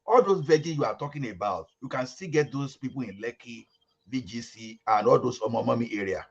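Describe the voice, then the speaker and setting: A man's voice: medium pitch, animated, creaky. Emphatic man from Lagos on a muffled call. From Lagos, Nigeria. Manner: emphatic, halting, repeats himself, mixes in pidgin. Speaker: discussion participant. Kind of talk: heated group chat on a call. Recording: muffled online call audio.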